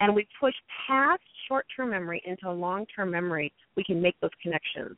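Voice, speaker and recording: At a moderate pace and medium pitch, a woman speaks in an ordinary speaking voice. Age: 40s. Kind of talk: radio interview.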